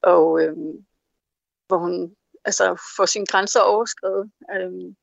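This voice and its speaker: A woman's voice: lowish voice, fairly even intonation, vocal fry, dry recording, muffled recording. A woman author in an interview who answers hesitantly with many fillers and reads aloud from her novel. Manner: hesitant with many fillers when speaking freely.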